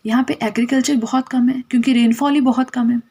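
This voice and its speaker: A woman's voice: sits high, fairly even intonation, fast talker, mellow, slightly rough. A woman teacher explaining a school textbook chapter, mixing English terms into Hindi and checking in with "theek hai" after most points.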